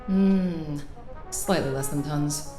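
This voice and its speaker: A woman playing a teasing, animated dinner companion in casual audio drama dialogue. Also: low-pitched, slow. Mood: coy, teasing. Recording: echoey room, loud music behind.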